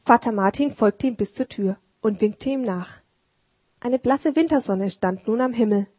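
A woman reading a storybook aloud in a calm, measured narration. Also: a little high, slightly rough, no room sound. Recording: dull lo-fi recording.

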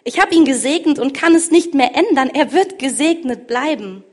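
A woman's voice: sits high, animated, moderate pace, voice pushed up. A woman reading the part of an old blind father, alarmed and urgent in a raised voice. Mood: horrified.

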